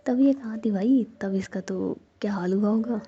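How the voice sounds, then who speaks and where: A woman voicing Nidhi, a blunt young friend who mocks the couple, with a mellow, gravelly voice on a dull lo-fi recording. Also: mid-range voice, moderate pace, natural voice. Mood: mocking. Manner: blunt, mocking. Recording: dull lo-fi recording with faint noise.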